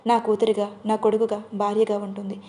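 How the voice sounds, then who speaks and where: A woman's voice: mid-range voice, level tone, brisk, dark tone, close to an everyday voice. A woman reading the lines of a stern but loving older man, the bride's father-in-law, in a firm, commanding way. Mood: firm, reassuring.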